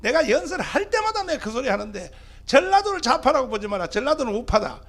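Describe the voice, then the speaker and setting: A man's voice: high-pitched, vocal fry, a bit bright. A male pastor, giving an emphatic political rally speech full of rhetorical questions to the crowd. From Gyeongsang (TK) region of South Korea.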